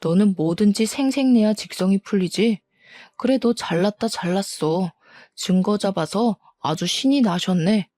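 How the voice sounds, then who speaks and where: A woman's voice: mid-range voice, moderate pace, warm tone, no echo, studio quality, natural voice. A woman doing a blustering cheating husband. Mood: angry. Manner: blustering, scornful and accusing. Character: defensive cheating husband, gym owner, middle-aged man.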